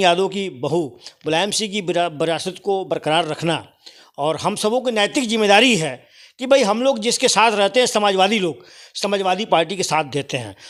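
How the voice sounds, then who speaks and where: This man's voice sits high in pitch. His speech rises and falls in a lively way. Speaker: politician. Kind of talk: interview. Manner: emphatic.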